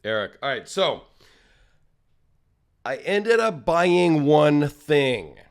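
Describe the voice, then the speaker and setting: A man hosting a casual solo vlog, chatty and rambling, his voice a little raspy and tired from travel. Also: on the high side, sing-song, extremely slow. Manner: rambling, self-deprecating, chatty. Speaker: knife channel host.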